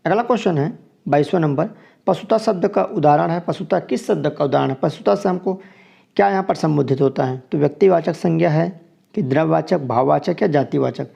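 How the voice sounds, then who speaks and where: A man with a deeply gravelly, dark-toned voice teaches a grammar exam class. He walks through each multiple-choice question, sits a little high in his pitch, and says each answer twice. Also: a little fast. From Chhattisgarh, India. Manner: explains each answer step by step, repeating it. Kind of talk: exam question walkthrough lesson.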